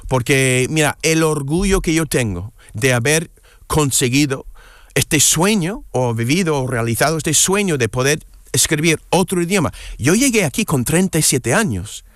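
Foreign-accented man, halting speech. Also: fairly high pitch, animated, a bit bright, dry recording, clean studio sound. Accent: foreign, non-native Spanish. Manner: searches for words, many restarts. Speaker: guest, columnist. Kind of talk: casual interview chat.

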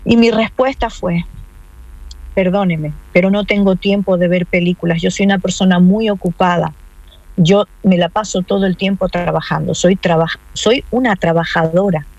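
A woman's voice: lowish voice, fairly even intonation, normal speed, a little mellow, dry recording, highs cut off. A woman in an interview telling her own story, earnest and insistent, repeating key points. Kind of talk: emotional personal account.

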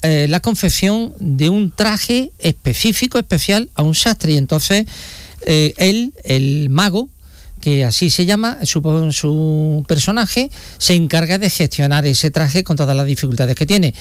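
A man's voice: a little high, animated, measured pace, no room sound. A man giving a live regional report, joking and rambling with fillers. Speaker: regional correspondent.

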